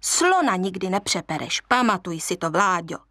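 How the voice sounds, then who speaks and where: A woman's voice: on the low side, big pitch swings, bright, forceful tone, no echo, clean studio sound. A woman voicing a proud lioness mother who fusses over and warns her cub. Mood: stern. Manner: doting, admonishing.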